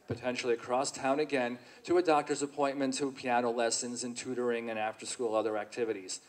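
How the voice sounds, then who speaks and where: A man running for mayor who gives a deliberate, skeptical debate answer with hesitant restarts. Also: mid-range voice. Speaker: mayoral candidate.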